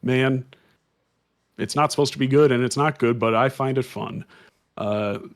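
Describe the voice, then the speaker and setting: A man's voice: medium pitch, normal speed. A man co-hosting a podcast, explaining things casually at length with many "um"s and restarts. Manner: rambling, explanatory, filler-heavy. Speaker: podcast co-host. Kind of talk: casual chat.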